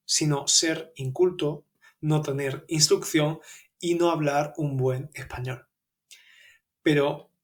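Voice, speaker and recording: A young Andalusian man tells a personal story for Spanish learners, with a fairly high voice. He speaks clearly and in a measured way, slowing down to stress key words. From Andalusia, Spain. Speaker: podcast host and Spanish teacher.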